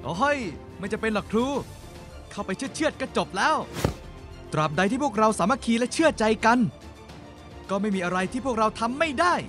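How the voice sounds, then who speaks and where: A man's voice: sits high, animated, normal speed, over music. An actor playing a cocky, hot-headed teenage boy with informal bravado in a motion-comic drama. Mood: cocky, indignant.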